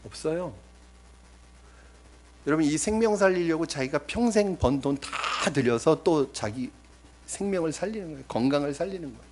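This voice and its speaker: A man's voice: lively intonation, normal speed, a little hiss or hum. Man preaching with big rising swells. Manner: emphatic preaching with big swings in pitch and volume. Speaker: pastor. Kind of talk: sermon.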